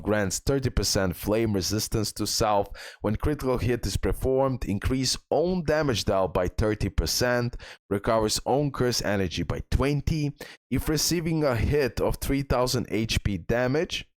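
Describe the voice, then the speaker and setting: Male gaming guide host, fairly deep, dry sound, casual slangy delivery with enthusiastic emphasis. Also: dry recording. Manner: informal, enthusiastic bro slang, emphatic repetition. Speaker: video game guide host. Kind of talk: casual gaming commentary, reading out skill descriptions.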